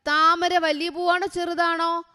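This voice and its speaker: A woman teaching young children, quizzing them with short, repeated questions in a slow, clear manner. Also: extremely high pitch, level tone, pushed and bright, in a large hall. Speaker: online tutor for first graders. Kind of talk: exam revision lesson for young children.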